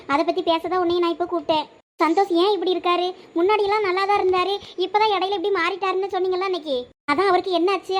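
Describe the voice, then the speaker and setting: A woman playing young village wives in a family comedy skit, talking quickly and with animation. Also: very high voice, a bit bright. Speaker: skit actor playing a young wife and her sister-in-law.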